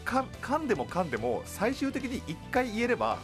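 A man's voice: sits high, wildly swooping pitch, a little fast, over music. A young man hosting a radio show in a studio, playful and jokey, laughing often. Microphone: boom studio mic.

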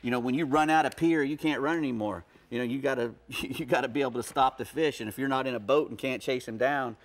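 A man's voice: mid-range voice, fast. Middle-aged man rambling about fishing. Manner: rambling, restarts, folksy fishing talk. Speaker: fishing guest expert. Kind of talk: casual studio chat. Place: TV studio set.

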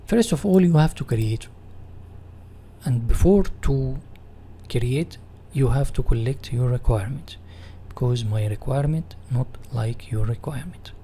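A man with an Egyptian Arabic accent teaches in a mellow, mid-pitched voice. He reads out material and rephrases it in non-native English, like a software tutorial. There is faint noise on the recording. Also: expressive, measured pace. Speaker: instructor. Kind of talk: software tutorial reading slides and explaining.

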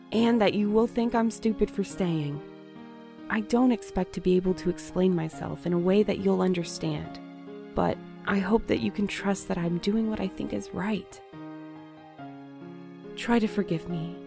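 Audio drama lead: actress as conscientious young postal worker, earnest, measured, mid-pitched, music underneath. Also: female voice, creaky, warm tone, lightly acted.

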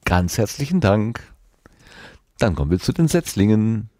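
A man's voice: on the low side, sing-song, a little slow, a little mellow, a little hiss or hum. A man hosting a podcast in a casual, conversational way, with hesitant, self-correcting phrasing. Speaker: podcast host.

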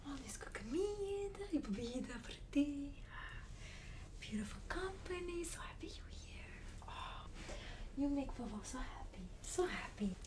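A woman's voice: high-pitched, noisy background. A woman playing a doting, talkative Portuguese grandmother in an ASMR roleplay, with a Portuguese accent and affectionate, rambling broken English. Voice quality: whispery, breathy. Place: small room at home.

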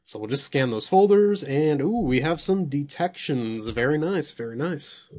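A man with a slightly hoarse voice casually reviewing software at his computer, thinking aloud and swearing when surprised. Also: a little high, animated, moderate pace.

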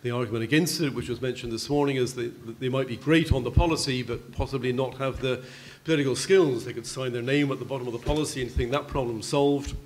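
A man's voice: mid-range voice, fairly even intonation, a little hiss or hum. Older man explaining measuredly at a panel. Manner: measured, explanatory, hesitant restarts. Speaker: expert panelist. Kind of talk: public panel discussion. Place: large conference hall. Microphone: table microphone.

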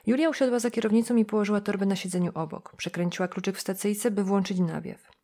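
Mellow-voiced woman reading an audiobook. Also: medium pitch, fairly even intonation, fast talker. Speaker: audiobook narrator. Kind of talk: scripted narration.

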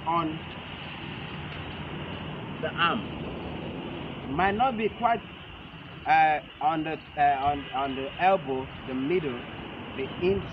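A man in his thirties with a higher-pitched voice teaches a hands-on self-defense lesson in short, halting phrases, repeating his instructions. He is in a large open concrete outdoor arena with stepped stands, recorded by a camera a few metres away, so the audio is muffled under loud ambient noise.

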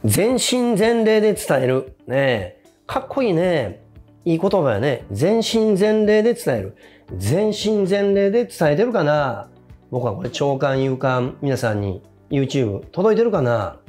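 A man with a Kansai accent, an educator and former junior high teacher, giving a morning motivational talk with emphatic repetition. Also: measured pace, faint music behind. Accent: Kansai Japanese. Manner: animated, emphatic, repeats key phrases.

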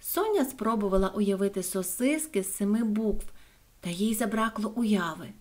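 A woman narrating a children's fairy tale in a gentle, expressive storybook voice. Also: mid-range voice, normal speed.

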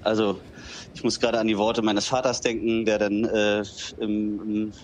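A man in his thirties from Berlin, raised in northern Germany, talking as a guest in a relaxed interview, often filling with small agreeing words. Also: fairly low pitch, normal speed, a little hiss or hum. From Berlin-Spandau, raised in Dithmarschen. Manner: relaxed, fills with "genau" and "ähm". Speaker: interview guest, bistro owner. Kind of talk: casual interview.

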